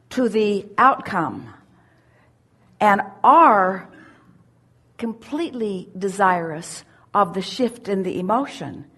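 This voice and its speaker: A woman giving a spiritual teaching at a seminar, speaking as "we" in an emphatic, drawn-out way. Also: mid-range voice. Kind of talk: channeled teaching in first person plural.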